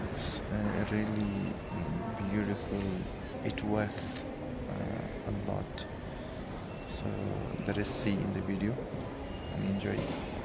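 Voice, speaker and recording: Over music in the background, a man talks at a very slow pace with long, frequent pauses. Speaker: travel vlogger. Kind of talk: casual vlog chat. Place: hall. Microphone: phone near.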